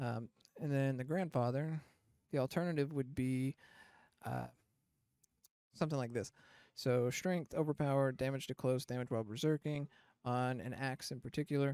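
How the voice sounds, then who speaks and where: A man's medium-pitched, dark and mellow voice at a moderate pace, with long, frequent pauses, dry and close with no echo. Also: fairly even intonation. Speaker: gaming youtuber. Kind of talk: game build tutorial. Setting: home recording at night. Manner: casual, filler-heavy. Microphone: microphone held very close.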